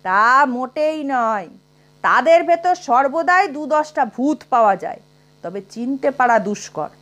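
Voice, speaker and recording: A woman's voice: high-pitched, lively intonation, a little slow, a bit bright. A woman voicing a blunt elderly man who mocks and lectures his listeners in a storybook reading. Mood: lecturing. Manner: lecturing, mocking.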